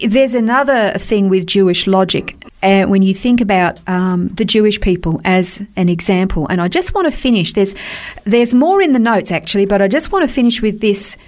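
A woman's voice: mid-range voice, expressive, moderate pace, darkish tone. A woman teaching on a Christian radio program in an earnest, explanatory way, repeating words for stress. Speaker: Bible teacher.

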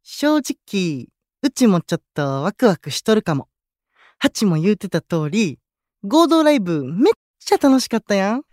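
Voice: mid-range voice, very animated, normal speed, darkish tone, no echo, clean studio sound, lightly acted. An actor playing an easygoing young male idol in an audio drama, chatting casually in a Kansai accent. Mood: gently excited. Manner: casual, friendly dialect speech. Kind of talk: Japanese audio drama acting.

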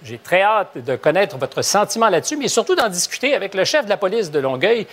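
A man with a Québécois accent hosting a studio panel debate, lively and probing, joking with his guests. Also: sits high, fairly quick. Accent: Québécois French. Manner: lively, asks probing questions, jokes with guests. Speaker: talk show host. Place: TV studio with live audience.

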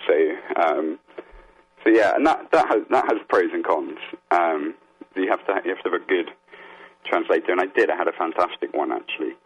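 A man speaking as an interview guest, explaining things in an earnest, reflective way and halting as he gathers his thoughts. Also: low voice, animated, slight background noise. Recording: dull, muffled phone-like line.

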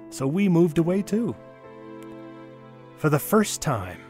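A man giving a theatrical, expressive dramatic reading of a childhood holiday memoir, with wonder and deliberate pauses. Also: on the high side. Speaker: storyteller. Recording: music under the voice. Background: music.

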